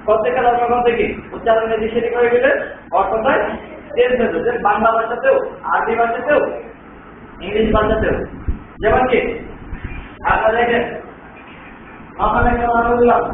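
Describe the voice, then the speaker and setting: High pitched guy teaching a class, keeps asking questions, tinny phone-like sound, noisy. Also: flat delivery, brisk, long pauses. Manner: asks the class many rhetorical questions; mixes English words into his talk. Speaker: trainer. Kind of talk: classroom lecture on English pronunciation. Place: training classroom. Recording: far-off, echoey, tinny, noisy room recording.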